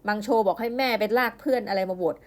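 A woman hosting a podcast, casually reviewing a novel and retelling its plot, acting out the characters' lines in a higher voice. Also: fast. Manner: chatty, acts out characters' lines with raised pitch.

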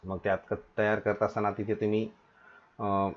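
A man's voice: fairly low pitch, level tone, moderate pace. A male teacher giving a recorded lesson to young children, patient and hesitant, repeating his instructions. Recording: dull lo-fi recording.

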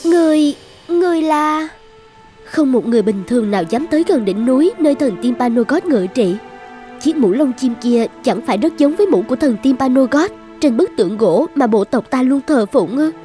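A woman playing a devout, self-sacrificing young tribal maiden in an animated folktale, earnest and reverent. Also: high-pitched, moderate pace, soft background music. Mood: humble wonder. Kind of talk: dubbed animated folktale acting.

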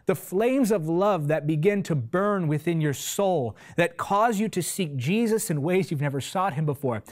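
A man in his twenties preaching a sermon in a studio, emphatic and passionate, with repetitive phrasing, on a lapel mic. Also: sits high. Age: 20s. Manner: impassioned, emphatic, with repetitive phrasing and big hand gestures. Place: TV studio set, indoors.

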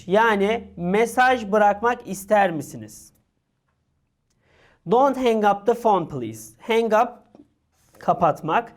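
A woman teaching an English lesson for exam prep, reading each English phrase slowly and then explaining it. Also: medium pitch, animated. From Turkey.

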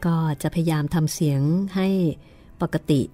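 A hoarse woman with a cold, hosting a podcast and gently reading a horror novel aloud. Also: deep voice, fairly even intonation, measured pace, faint music behind. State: hoarse from a cold and sore throat. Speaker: host and reader.

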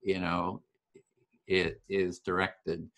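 A fairly low-voiced man speaks over a video call, earnest and enthusiastic. He talks in a casual, searching way, often restarting his phrases. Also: little pitch movement, drawn-out words, a bit bright. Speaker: host of empathy circle series.

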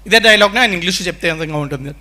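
A man's voice: high-pitched, racing, pushed and bright. A man, a mimicry artist, politely introducing his impressions to an audience. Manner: polite, announcing each act. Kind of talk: stage patter introducing impressions.

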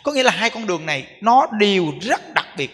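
A Buddhist monk giving an emphatic sermon, full of rhetorical questions and repetition. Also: male voice, sits high, sing-song, fairly quick, fairly bright tone, long reverb tail.

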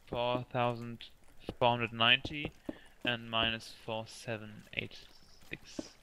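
A man's voice: medium pitch, little pitch movement, slow, sharp tone, a little hiss or hum. A man chatting casually with teammates while playing a game, joking and laughing often. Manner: playful, laughs often, jokey. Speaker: gamer playing in a team. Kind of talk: casual gaming chat.

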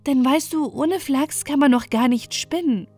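A woman's voice: high voice, measured pace, soft background music, pitched above the performer's own voice. A woman voicing a kind, eager little peasant girl, innocent and full of exclamations. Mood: eager wonder. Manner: bright-eyed, innocent, exclamatory.

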